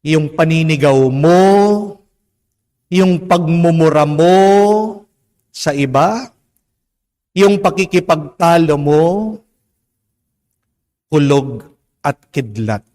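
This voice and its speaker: A Filipino-accented man gives a homily in a slightly high voice, pacing each phrase slowly and leaning hard on key words. His rhetorical questions hang in a church that rings with long reverb. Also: a little mellow. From Philippines. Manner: slow, emphatic preaching with drawn-out words and rhetorical questions. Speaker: Catholic priest. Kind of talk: homily mixing Tagalog and English.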